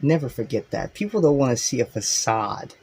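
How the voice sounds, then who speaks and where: Mid-pitched guy talking to camera, halting and stumbling, lots of ums, kinda unsettling. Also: sing-song, creaky, darkish tone, breathy edge. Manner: hesitant, halting, full of fillers, unsettling. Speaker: online video host. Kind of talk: monologue to camera.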